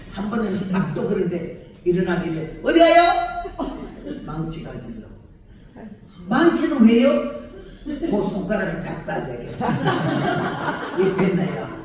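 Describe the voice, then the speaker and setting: An older woman evangelist, preaching a sermon in animated storytelling, acting out dialogue and laughing often. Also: medium pitch, noisy background. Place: large church hall. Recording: echoey church hall from far off.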